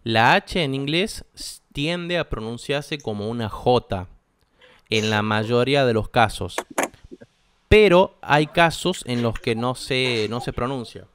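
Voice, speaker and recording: A young Argentine man with a mid-range, fairly bright voice teaches an English class, speaking slowly with lively intonation in an Argentine Spanish accent. He explains things step by step and checks that his students are keeping up.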